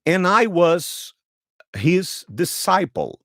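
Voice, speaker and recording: With a high, creaky, fairly bright voice and big pitch swings, a Brazilian man in his thirties who speaks Portuguese natively relates his story slowly for English learners, repeating and rephrasing each sentence. The recording is dry and clean, with studio sound.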